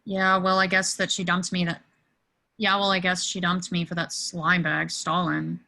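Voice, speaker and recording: A woman plays a hapless teenage boy with a bright, forward voice. He is self-deprecating and excitable, in an amateur comedy table read. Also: on the low side, normal speed, vocal fry, rough recording. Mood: self-deprecating, awkward. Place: remote video call.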